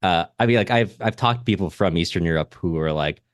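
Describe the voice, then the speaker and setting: Deep voiced guy chatting about books on a podcast, kinda rambly, dry close sound. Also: fast talker, no echo. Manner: rambling, informal. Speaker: podcast co-host. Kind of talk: casual literary discussion.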